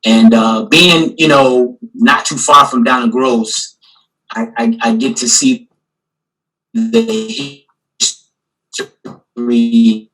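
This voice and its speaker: A man's voice: medium pitch, a bit bright, husky, poor audio. A man, an artist and guest curator, talking casually on a video call panel and filling his sentences with "you know". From Newport News, Virginia. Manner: rambling, many "you know" fillers.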